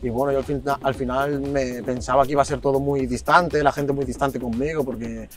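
A teenage man from Colombia answering interview questions on an outdoor park bench, hesitant and soft-spoken, often restarting his sentences. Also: medium pitch, fairly even intonation, brisk, faint music behind. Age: late teens. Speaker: youth footballer guest.

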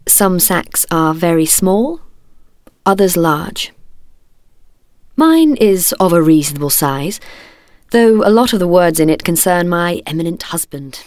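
A woman's voice: lowish voice, lively intonation, a little slow, long pauses, a little mellow, no echo. A woman reading scripted narration as a voice actor in a studio. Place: professional recording studio.

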